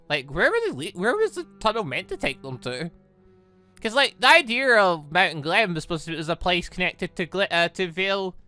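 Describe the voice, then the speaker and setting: A man with a bright, fairly high voice gives lively gaming commentary over music. His pitch moves around a lot, and he often stumbles and breaks off to add remarks. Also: dry recording. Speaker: gaming channel host. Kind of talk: let's play commentary, reading visual novel dialogue aloud and reacting.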